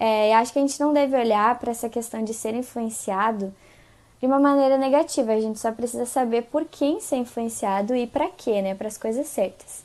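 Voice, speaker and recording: A woman's fairly high pitch moves with ordinary variation in an ordinary speaking voice. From Rio Grande do Sul, Brazil. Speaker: pre-recorded contributor. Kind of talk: recorded video message.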